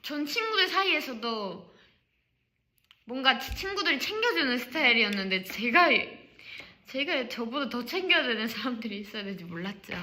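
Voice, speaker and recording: Bright, lively young woman chatting. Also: on the high side, moderate pace. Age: young adult. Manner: chatty, laughing and playful, drops to quiet asides. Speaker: idol group leader on a livestream. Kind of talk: casual livestream chat.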